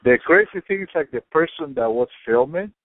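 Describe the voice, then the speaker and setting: A man from Cuba, talking in animated casual chat, swearing freely and using many fillers. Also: fairly high pitch, fairly quick, dry recording. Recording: tinny phone-like line.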